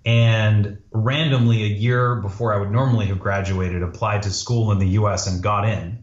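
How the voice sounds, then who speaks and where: A man's voice: on the low side, steady tone, normal speed. A man from Canada, a podcast guest giving casual, conversational answers about himself. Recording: roomy, slightly dull audio.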